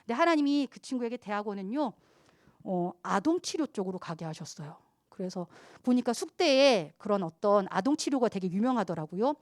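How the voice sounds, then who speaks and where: A woman pastor, around her forties, giving a youth sermon in an animated storytelling manner, acting out the people in her stories. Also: mid-range voice, brisk, no room sound, studio quality.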